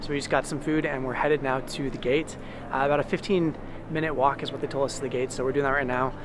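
Over noticeable background noise, a man speaks very fast in a monotone, flat way, with a dry sound and no echo. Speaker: travel vlogger. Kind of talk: casual vlog chat. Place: station. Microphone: phone near.

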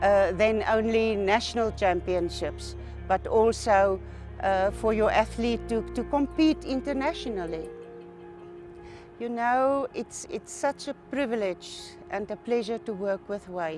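Lively in intonation, a woman talks at a fairly high pitch and a fairly slow pace. The sound is dry with no echo, and faint music plays in the background. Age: 70s. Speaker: athletics coach. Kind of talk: interview answer. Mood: warm, proud. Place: stadium.

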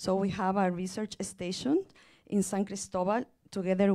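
A woman in a Spanish accent at medium pitch, dark and mellow in tone, with fairly even intonation and a moderate pace over a quiet background. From Ecuador. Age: 40s. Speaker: environmental engineering professor. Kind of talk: conference presentation. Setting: stage with audience. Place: hall.

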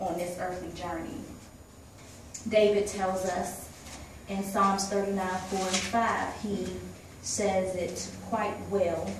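A woman's very slow, monotone, flat delivery with long, frequent pauses, audible room echo and noticeable background noise. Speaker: conference speaker. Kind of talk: sermon. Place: meeting room. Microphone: camera far.

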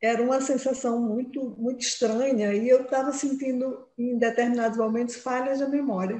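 With audible room echo, the talking proceeds at a fairly slow pace. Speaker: course participant giving testimonial. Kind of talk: testimonial in an online class; personal testimony on a video call. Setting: video call. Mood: reflective, personal. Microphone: video call.

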